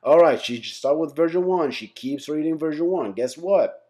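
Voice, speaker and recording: A man presents an informal software lesson in a conversational way. His pitch moves around a lot, giving an animated delivery, while the tone stays relaxed and mellow. He often tags his points with quick check-ins to the listeners. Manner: conversational, often checks in with "right?", "okay?", "guys". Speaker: software engineering instructor, channel host.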